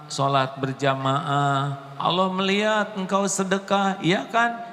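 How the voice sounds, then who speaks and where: A devout father, coaxing and insistent, his voice lifted higher, as a preacher plays him. Long hall reverb hangs on each phrase. He talks slowly. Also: steady tone, fairly bright tone. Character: devout father, calm, firm in faith.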